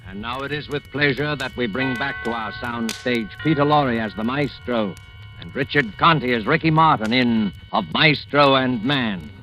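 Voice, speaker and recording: A man making formal announcements for a 1940s radio drama program, measured and stately. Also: medium pitch, sharp tone. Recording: vintage radio broadcast over music. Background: music.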